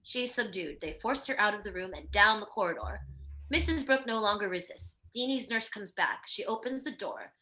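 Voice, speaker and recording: A crisp, bright female voice at an average pitch reads screen directions aloud. It is scripted narration for a table read, moving from one action to the next. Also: animated, moderate pace, low-quality recording. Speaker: narrator reading stage directions.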